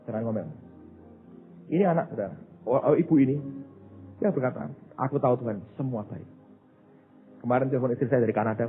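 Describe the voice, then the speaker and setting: A man from Indonesia preaching a sermon as pastor, telling stories and calling his listeners "saudara". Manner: acts out a child's excited voice in high bursts. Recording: phone-like narrow sound with faint music.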